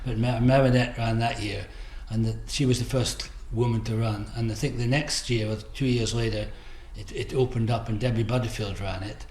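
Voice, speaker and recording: Older man, interview guest; halting, reflective, roomy room tone. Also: medium pitch, steady tone, darkish tone, slight background noise. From Scotland. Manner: halting, repeats words, chuckles at memories. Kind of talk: reminiscing interview.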